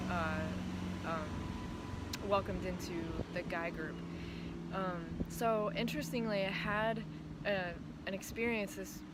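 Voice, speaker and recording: Trans man vlogger, voice still reads female, hesitant and reflective, steady background noise. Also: high voice. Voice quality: voice still often heard as female. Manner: thoughtful, hesitant, many ums and restarts. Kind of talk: casual reflective vlog.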